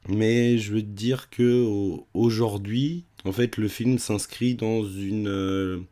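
A man's voice: lowish voice, fairly even intonation, slow, dark tone. A young man co-hosting a casual film podcast, rambling with fillers as he explains his view. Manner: rambling, fillers like "genre" and "tu vois". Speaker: podcast co-host.

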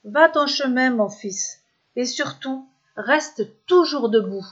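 A solemn male titan of myth with a vibrant voice, as a woman storyteller puts him on. He speaks slowly and gravely, in a fairly high register, like a creator addressing his creation. The storybook recording sounds dull and lo-fi. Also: expressive, exaggerated voice. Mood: tender.

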